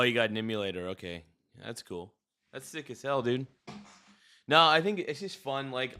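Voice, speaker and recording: A man hosting a live stream, chatting casually with viewers while he plays a game, in a laid-back way. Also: medium pitch. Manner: laid-back, peppers talk with "dude" and "brother". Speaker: livestream host. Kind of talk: casual livestream chat while gaming.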